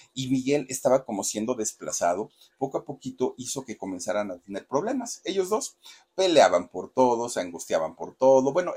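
A man's voice: on the low side, darkish tone, slightly rough. A man telling celebrity gossip in a chatty, dramatic way, talking straight to the viewers. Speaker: host. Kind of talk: gossip storytelling.

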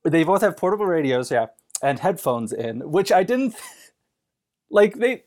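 Animated man chatting loosely about film. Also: on the high side. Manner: rambling, halting, amused. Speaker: podcast guest. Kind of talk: casual film chat.

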